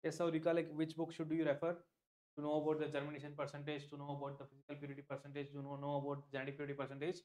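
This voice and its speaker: A man's voice: fairly high pitch, monotone, very fast, a little mellow. Chatty Indian man teaching a live class. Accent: Indian English. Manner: chatty, repeats himself, many "like" fillers, addresses viewers by name. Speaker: online exam tutor. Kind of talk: live-stream lecture.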